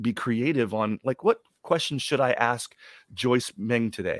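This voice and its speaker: In a very clean recording with a silent background, a man of medium pitch talks at a fairly slow pace with ordinary pitch variation, the sound dry and close with no echo. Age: 50s. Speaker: YouTube creator on personality types and AI. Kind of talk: casual interview chat with demonstration. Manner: halting, many fillers.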